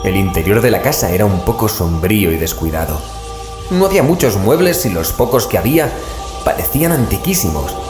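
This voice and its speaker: An actor playing a fearful, wary investigator's companion with a Castilian Spanish accent in an audio horror drama. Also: male voice, deep voice. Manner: nervous, wary. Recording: echoey, music underneath.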